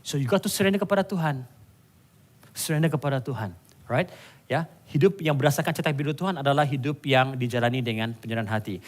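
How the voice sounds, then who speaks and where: A man preaching a sermon, animated and conversational, with asides to the congregation. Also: mid-range voice, fast talker. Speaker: pastor. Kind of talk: sermon mixing Malay and English.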